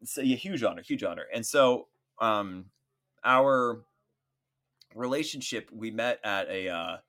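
A man in his forties with a fairly low voice chats easily on a podcast. He talks in a relaxed, unhurried way and often pauses on fillers as he finds his words. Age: 40s. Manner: relaxed, easygoing, with frequent fillers. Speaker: podcast co-host. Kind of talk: casual podcast chat.

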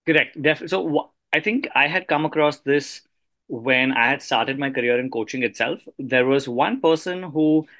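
A man's voice: mid-range voice, normal speed, a bit bright. A man hosting a podcast interview, speaking in an articulate, polite way. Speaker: podcast host. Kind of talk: podcast interview, scripted introduction.

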